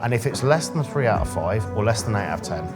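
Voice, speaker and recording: A man in his late thirties, a dating coach chatting on the street and then giving a blunt sales pitch. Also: lively intonation, fast talker, over music. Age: 30s. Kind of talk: street approach conversation and direct pitch to camera.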